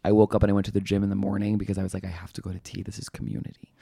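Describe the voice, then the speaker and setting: A man in his twenties co-hosting a podcast, chatting casually, excitable and jokey, swearing now and then. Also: fairly low pitch, rapid-fire, creaky, breathy edge, dry recording, clean studio sound. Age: 20s. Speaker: podcast co-host.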